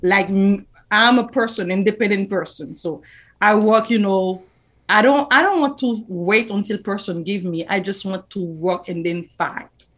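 A woman in her thirties from Haiti, a podcast guest speaking haltingly with simple phrasing and shy laughs. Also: mid-range voice, a bit bright. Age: 30s. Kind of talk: casual podcast interview.

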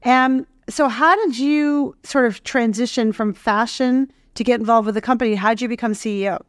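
A woman's voice: a little high, fairly even intonation, normal speed, no room sound, clean studio sound. A woman speaking as a podcast host and interviewer. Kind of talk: scripted podcast introduction and interview.

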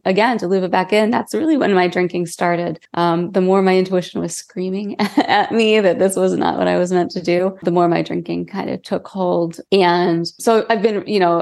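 A woman's voice: mid-range voice, darkish tone. A woman with a head cold and a cracking voice, explaining things in an earnest, informal, conversational way as a podcast guest. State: has a cold.

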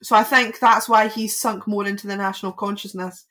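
A woman's voice: medium pitch, flat delivery, fairly quick, a bit bright. A Scottish woman from Scotland, a podcast guest talking casually with frequent ums and restarts.

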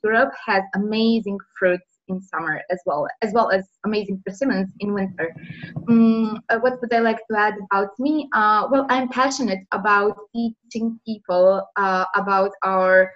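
A woman from Serbia, answering interview questions earnestly with many pauses, heard over a remote call. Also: mid-range voice, fairly even intonation, highs cut off. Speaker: interview guest.

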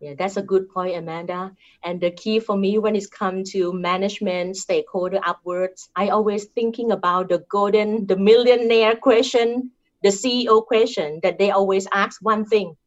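A woman's voice: medium pitch, fairly even intonation, moderate pace, dull audio. A woman with a Thai accent, a guest in an interview giving career advice in an earnest way, often ending points with "right?". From Thailand. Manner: earnest, repeats points with tag questions.

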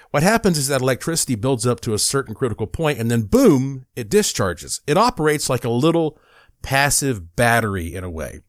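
A man's voice: mid-range voice, no echo, clean studio sound. A man talking through an explanatory monologue in a conversational way, with occasional fillers and restarts. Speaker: host presenting a product video.

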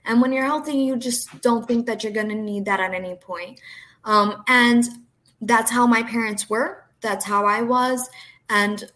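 A woman's voice: fairly high pitch, fairly even intonation, a little slow, a bit bright. A young woman with a New Jersey accent, born in Brazil with Portuguese as her first language, telling her story as a podcast guest in an earnest way with frequent "um"s. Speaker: health insurance agent, guest. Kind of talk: podcast interview, personal story.

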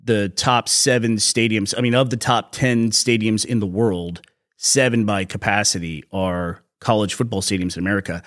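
A middle-aged man hosting a podcast in casual chat, slightly hoarse, explaining things at a relaxed, rambling pace. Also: on the low side, moderate pace. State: a little hoarse. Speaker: podcast host.

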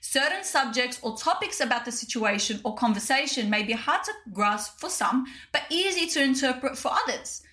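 Woman, 30s, solo podcast host, direct and chatty, bright tone. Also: high voice, animated, normal speed, few pauses. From Australia. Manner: chatty, direct, addresses listeners as "you guys". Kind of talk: casual solo podcast talk.

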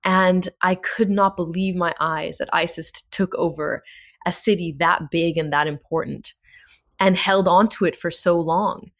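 A woman's voice: on the low side, steady tone, a little slow. A woman from Egypt, a political science professor, answering interview questions in a thoughtful, earnest way with frequent fillers.

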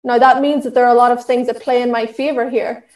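An Irish diversity and inclusion trainer speaks fast and earnestly in a fairly high voice during an online session. Her teaching is instructive and steady, though she often restarts sentences and uses fillers. The room she's in is echoey.

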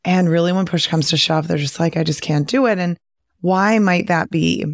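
A woman with a raspy, hoarse voice from a recent virus, hosting a podcast in a chatty, encouraging way with frequent laughs. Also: lowish voice, moderate pace, no echo, studio quality. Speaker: podcast host and weight loss coach. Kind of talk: casual podcast monologue.

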